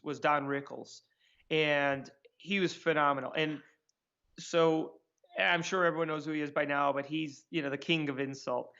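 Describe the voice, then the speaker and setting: A man telling stories in a casual interview, acting out what people said in a higher voice. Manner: animated, acts out quotes in a higher voice. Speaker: magician guest. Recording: dull lo-fi sound.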